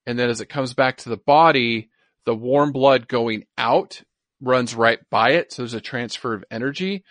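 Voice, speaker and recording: Bright-voiced man co-hosting a casual podcast. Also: medium pitch, moderate pace, no room sound. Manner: repeats himself, informal explaining. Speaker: podcast co-host. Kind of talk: casual science chat.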